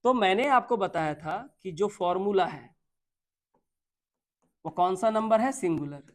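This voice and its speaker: Animated and high-voiced, this Indian-accented man takes students through exam-focused grammar. Along the way he repeats himself for emphasis, quizzes them, and reads out English sentences slowly, one word after another.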